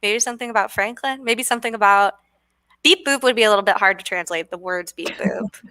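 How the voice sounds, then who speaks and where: A woman's voice: mid-range voice, brisk, pushed and bright, dry recording. A woman co-hosting a live coding stream, chatty and bubbly, reading out comments from the chat.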